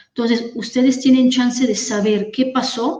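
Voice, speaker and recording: A woman with a dark, mellow tone speaks at a fairly slow pace, her intonation fairly even. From Italy, Tuscany (Massa). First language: Italian (speaking Spanish). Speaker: author. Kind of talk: panel talk at book fair, livestream. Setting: virtual livestream.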